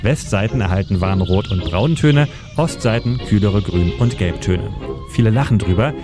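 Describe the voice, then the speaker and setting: Low-voiced man narrating a feature over music. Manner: measured, documentary delivery. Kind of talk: scripted radio feature narration.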